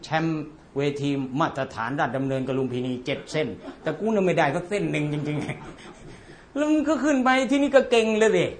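A man's voice: on the high side, big pitch swings, moderate pace, a little hiss or hum. Blunt, joking male religious lecturer. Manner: joking, blunt and colloquial, chanting Arabic passages.

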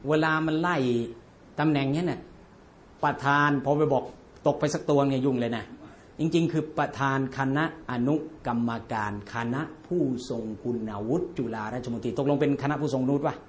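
A man's voice: medium pitch, normal speed, a little hiss or hum. A man giving an informal religious lecture, joking bluntly in everyday speech and chanting Arabic passages.

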